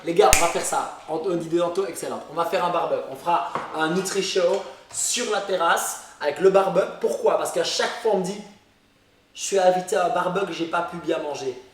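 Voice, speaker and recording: A fairly high-voiced Belgian man with a Liège accent chats through a home cooking segment, filling his sentences with hesitations and breaking into loud emphatic bursts. His voice rings around an echoey kitchen, with faint noise and clicks behind it. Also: brisk. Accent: Belgian French, Liège. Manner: chatty, hesitant with many fillers, bursts of emphatic shouting. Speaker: nutrition show host. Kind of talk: casual cooking chat.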